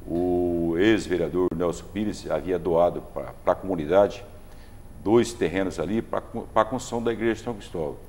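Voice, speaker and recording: This man's voice sits at a fairly low pitch, with ordinary pitch variation. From Brazil, Araçatuba (São Paulo state). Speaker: city councillor. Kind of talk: interview. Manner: hesitant, many fillers.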